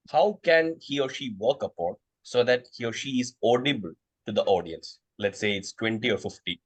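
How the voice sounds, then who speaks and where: A man's voice: on the low side, husky, poor audio. A man politely asking a question as a workshop participant.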